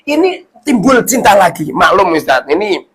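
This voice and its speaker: A man, a preacher telling a religious story in a lecture to women, animated and jokey, swinging between loud and hushed lines and often checking in with his listeners. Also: high voice, moderate pace. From Indonesia. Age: 40s. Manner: addresses the audience often with tag questions. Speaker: Islamic preacher.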